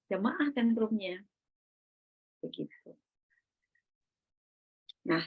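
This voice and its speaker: Lively woman giving a parenting talk. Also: on the high side. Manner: animated, rhetorical questions, acts out her inner self-talk. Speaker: parenting seminar speaker.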